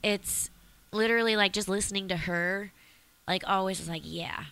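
A woman's voice: medium pitch, fairly even intonation, fairly bright tone, no room sound. A woman from East Texas, chatting as an interview guest with lots of fillers. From East Texas, USA. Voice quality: raspy voice. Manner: chatty, fast storytelling with many fillers. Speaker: guest singer. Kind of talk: casual interview chat.

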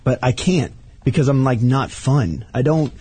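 A man's voice: mid-range voice, normal speed, mellow, slightly rough, dry recording. A man of thirty, a guest telling frank stories about his past, with many "like"s in his speech. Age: 30s. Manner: candid, confessional, many "like"s. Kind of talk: casual chat, storytelling.

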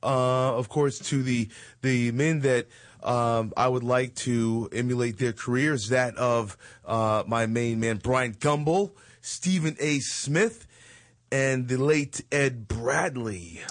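Slow-paced and medium in pitch, this forties-aged chat show host jokes and meanders through casual banter. His talk is loose, peppered with fillers and laughs, recorded in studio quality without echo.

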